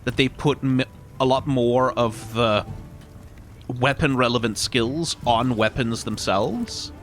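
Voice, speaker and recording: A man's voice: mid-range voice, takes it slowly, a bit bright. A man giving casual video game commentary, musing aloud in a wry way. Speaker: gaming video host. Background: faint game music.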